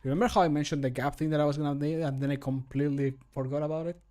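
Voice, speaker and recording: A man's voice: fairly high pitch, fairly even intonation, very fast, warm tone. A man in his thirties chatting casually and jokingly on a livestream, close to the microphone at home. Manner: jokey, self-mocking. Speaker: streamer and mod voice actor. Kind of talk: casual livestream chat while recording. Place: small home room, indoors.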